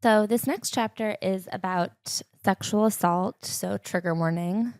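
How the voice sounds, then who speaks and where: A young woman co-hosting a podcast, sharing relaxed, opinionated takes on a memoir. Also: medium pitch, a little slow, no echo. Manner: relaxed and opinionated, with frequent "like" asides. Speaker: podcast co-host. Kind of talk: casual book-club chat.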